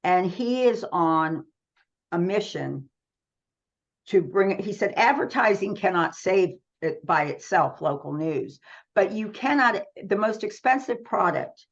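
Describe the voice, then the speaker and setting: A woman's voice: fairly low pitch, lively intonation, unhurried, vocal fry, dull audio. A middle-aged American woman speaking as a guest in a conversational interview, explaining things earnestly. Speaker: radio trade magazine publisher, interview guest.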